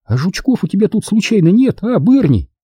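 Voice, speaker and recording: A man's voice: high-pitched, very animated, a little fast, warm tone, breathy edge, no room sound, voice pushed up, full character voice. A man reading an audiobook, voicing a tipsy young woman who rambles indignantly through her points. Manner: drunken rambling, counting points.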